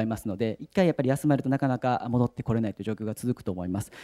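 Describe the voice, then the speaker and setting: The background is quiet as a man talks. His tone is dark and mellow, with ordinary pitch variation. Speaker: city councillor. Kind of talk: council committee questioning. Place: meeting room. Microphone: podium.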